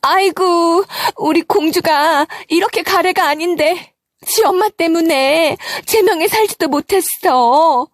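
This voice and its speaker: A woman putting on a shrill scolding older mother-in-law. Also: slow pace, dry recording. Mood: wailing, blaming.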